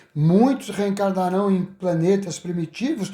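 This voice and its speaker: A man speaks at a very slow pace. His voice is high-pitched, with a dark, mellow tone. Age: 60s. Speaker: spiritist school founder. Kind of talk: interview.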